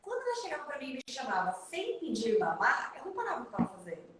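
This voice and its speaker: A woman in her thirties with a Brazilian accent, giving parenting advice live over a video call, fast and emphatic. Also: high voice, huge pitch swings, fairly bright tone, heavy reverb, recorded from a distance. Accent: Brazilian Portuguese. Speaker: parenting consultant.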